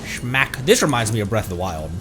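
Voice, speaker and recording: A man's voice: fairly low pitch, big pitch swings, fairly quick. A man giving casual, playful live commentary while he plays a video game, muttering to himself and exclaiming. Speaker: streamer playing a video game. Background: video game music.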